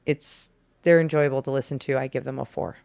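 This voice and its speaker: Female podcast host, low smooth voice, dry close sound, brisk lead. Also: steady tone, a little mellow, dry recording. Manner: brisk, leads the segment, laughs often. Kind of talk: casual chat.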